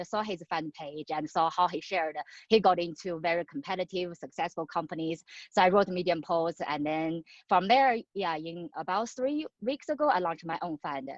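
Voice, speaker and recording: A woman from China in her thirties speaks with a slightly low voice, pausing often with fillers as she introduces herself on a video call. The sound is dry and a bit muffled, from a laptop mic out on a patio. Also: no room sound. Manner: halting, many fillers. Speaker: venture investor. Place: outdoors on a patio.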